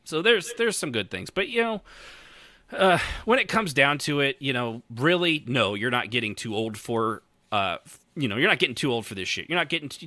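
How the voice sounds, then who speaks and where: A man's voice: medium pitch, pushed and bright, dry recording. A man hosting a casual podcast, rambling and often circling back over his own phrases. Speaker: podcast host.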